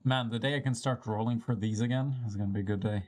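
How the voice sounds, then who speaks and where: A woman's voice: extremely low pitch, steady tone, fast talker, a little mellow. A woman giving casual commentary as she streams a game, thinking aloud with playful exasperation and plenty of swearing. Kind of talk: casual gameplay commentary, talking to self.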